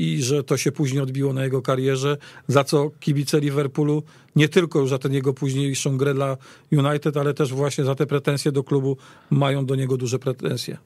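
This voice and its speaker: A man's voice: medium pitch, a little mellow, dry recording. A man speaking as a football pundit in a casual podcast discussion. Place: radio studio.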